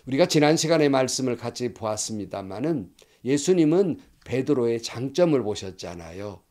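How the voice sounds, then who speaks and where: A middle-aged male pastor delivers a sermon in an earnest, storytelling way. He quotes people's words aloud as he goes, with a voice of ordinary pitch for a man. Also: very animated, normal speed, dark tone. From Korea.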